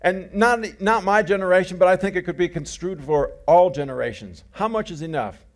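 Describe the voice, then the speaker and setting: A middle-aged man preaching, with a voice pitched high for a man. He tells folksy stories, slips in jokes and says his main points twice. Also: a little fast. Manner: folksy storytelling with jokes and repeated key phrases. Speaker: pastor. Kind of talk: sermon.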